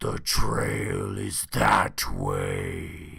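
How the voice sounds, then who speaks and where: A man puts on a character voice. It sounds raspy. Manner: slow, ominous.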